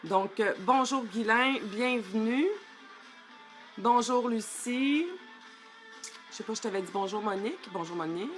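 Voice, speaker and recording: A woman's voice: fairly high pitch, measured pace, long pauses, soft background music. A middle-aged woman, giving a live-streamed coaching talk in a chatty way, greeting viewers by name and using many fillers. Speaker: life coach.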